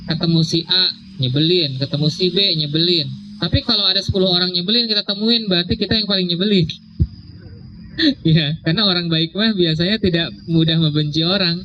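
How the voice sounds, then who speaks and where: Higher-voiced religious speaker, lo-fi. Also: male voice, bright, forceful tone. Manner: conversational, drawn-out emphasis, frequent "ya". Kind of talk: casual religious talk to an audience. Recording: dull lo-fi sound with faint noise.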